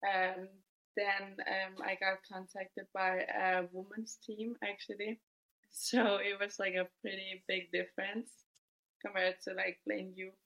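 A woman in her twenties from Denmark, telling her story as a guest in a podcast interview, relaxed and thoughtful. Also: mid-range voice, unhurried, lo-fi sound. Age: 20s. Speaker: guest footballer.

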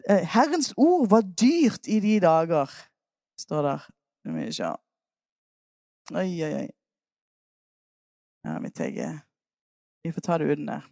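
A woman preacher retelling a Bible story in a lively sermon, coaxing her listeners to act out the parts. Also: on the low side, creaky, pauses often, dry recording, studio quality.

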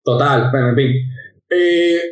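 A young man chats in an easygoing way on a podcast. His voice sits in the middle of the range and sounds echoey, as if recorded in a bare room. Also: medium pitch. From Venezuela. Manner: easygoing, quick affirmations, dry jokes. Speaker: podcast co-host. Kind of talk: casual chat.

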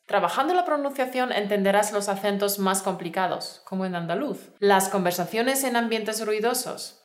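A woman, giving clear step-by-step instructions in a scripted podcast lesson. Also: medium pitch. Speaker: Spanish teacher. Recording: roomy echo.

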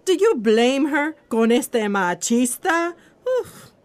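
A woman narrating a scripted audio theatre story with a wry, animated manner. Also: high voice, slow.

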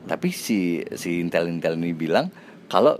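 A man's voice: sits low, moderate pace, slight background noise. A man, an actor, casually telling an anecdote in an interview, acting out the other people's lines in changing voices. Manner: acts out quoted dialogue in changing voices; relaxed, chatty, with fillers and self-laughs.

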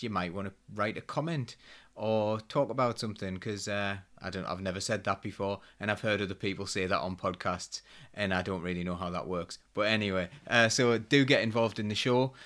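A man with a fairly low voice hosts a live discussion show. He speaks casually and rambles a little, often playing himself down as he steers the talk. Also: steady tone, a little fast, fairly bright tone. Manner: rambling, self-deprecating. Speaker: host.

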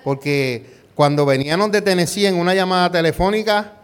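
A man's voice: high voice, fairly quick, smooth. A middle-aged male pastor preaching a conversational sermon built around a personal story. He keeps asking rhetorical questions, tags his points with "¿verdad?", and slips English words into his Spanish.

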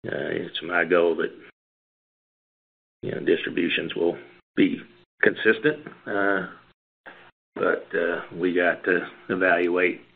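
Male executive, very low and even-pitched, halting unscripted business answers, narrow phone-conference sound. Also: creaky. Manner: measured, halting, hedging phrasing. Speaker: company executive answering analyst questions. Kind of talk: unscripted earnings call answers. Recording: band-limited phone conference line.

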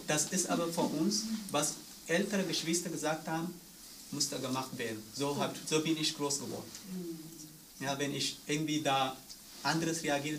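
A man from Eritrea, whose first language is an Eritrean language, earnestly telling of raising his son while searching for words. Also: a little high. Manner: earnest, searching for words in non-native German. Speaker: discussion participant, father. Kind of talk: personal account in a discussion round. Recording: distant mic with faint room noise.

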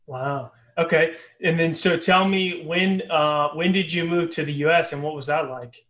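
A man hosts a business interview show in an upbeat, casual way. His voice sits a bit high, and he often repeats words and says "um" as he frames his questions. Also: moderate pace, a bit bright. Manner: upbeat, many fillers and repeats. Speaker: podcast host.

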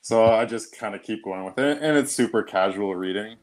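A man appearing as a guest on a podcast, chatting casually in a relaxed, amused way. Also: lowish voice, brisk. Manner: relaxed, amused, laughs often. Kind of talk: casual chat.

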